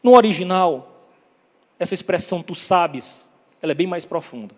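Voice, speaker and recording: A man with a northeastern Brazilian accent preaching a sermon, telling the story dramatically, acting out dialogue and building to loud climaxes. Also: sits high, expressive, normal speed. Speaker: evangelist preacher. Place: church hall. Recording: long church reverb.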